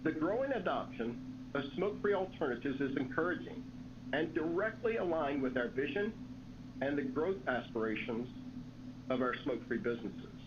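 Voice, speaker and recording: Higher-pitched man presenting, very noisy dull audio. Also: lively intonation, moderate pace. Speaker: company executive. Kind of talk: scripted earnings call presentation. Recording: dull lo-fi call audio, clear noise.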